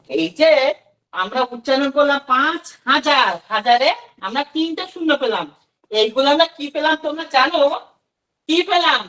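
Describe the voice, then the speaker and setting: A woman with a high voice gives a demo lesson to children. She asks the class a question and then answers it herself. She sits a little back from the mic. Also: a bit bright, distant mic, low-quality recording. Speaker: teacher giving a demo class.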